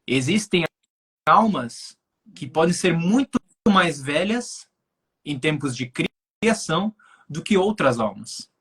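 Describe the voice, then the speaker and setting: Speaking slowly with a fairly high, animated voice that is fairly bright and slightly rough, a twenty-something man explains spirituality as a guest on a video-call live stream. He thinks aloud, leans on lots of filler tags, and frequently checks in with his audience.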